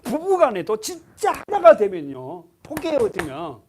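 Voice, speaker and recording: With a high-pitched, unhurried voice and a little hiss or hum in the audio, a male preacher animatedly addresses his congregation. He quizzes them with questions and acts out characters' voices.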